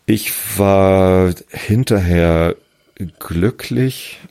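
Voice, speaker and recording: A hoarse man chatting casually about a football match, full of fillers and restarts. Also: low voice, drawn-out words, dark tone, no room sound. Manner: hesitant, many fillers and restarts. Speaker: football fan guest. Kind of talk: casual conversation.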